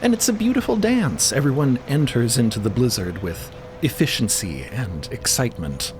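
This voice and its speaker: A man's voice: medium pitch, sing-song, normal speed, darkish tone, a little hiss or hum. A man narrating a fiction podcast in an evocative, descriptive storytelling style.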